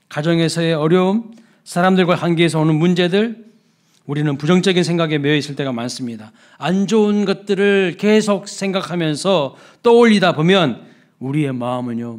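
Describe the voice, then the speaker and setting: Man, pastor, Sunday sermon, slightly high voice, emphatic, sudden soft drops. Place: church sanctuary.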